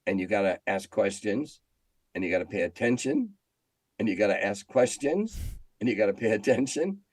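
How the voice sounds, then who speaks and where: An older American man with a fairly low voice talks as an interview guest. He is opinionated and emphatic, repeating phrases for stress as he tells stories. The sound is dry, without room echo. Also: big pitch swings, moderate pace. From United States. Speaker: interview guest, veteran game designer and editor. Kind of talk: conversational interview answers with storytelling.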